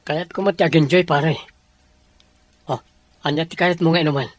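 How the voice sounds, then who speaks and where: A man's voice: a little high, fairly even intonation, moderate pace, dry recording, close to an everyday voice. An actor playing a lovesick, stubborn young man in a radio drama, emotional and insistent. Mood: tipsy, insistent.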